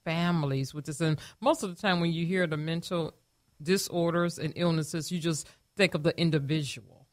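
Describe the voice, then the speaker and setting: A woman from Chicago co-hosting a radio talk show, lively and colloquial. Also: low-pitched, moderate pace. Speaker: co-host and author.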